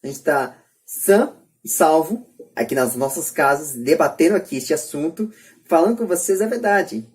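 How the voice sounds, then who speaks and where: A man's voice: on the high side, animated, moderate pace. A man with a Brazilian accent talking earnestly and emphatically on a podcast, repeating himself to press his points. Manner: emphatic, repetitive. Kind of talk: earnest opinionated podcast talk. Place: at home, remote group call.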